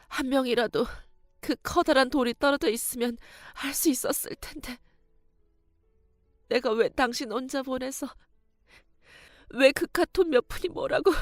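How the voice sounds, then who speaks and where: A woman's voice: no room sound, lightly acted. A woman voicing a grieving young widowed mother who wails and sobs through her words, recorded close and dry. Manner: wailing, shrill, crying through the words.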